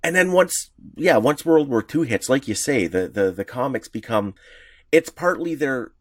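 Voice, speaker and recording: A man's voice: medium pitch, animated, moderate pace, no room sound, studio quality. A man co-hosting a podcast in casual chat, rambling with frequent restarts. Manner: rambling, many restarts, laughs easily. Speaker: podcast co-host.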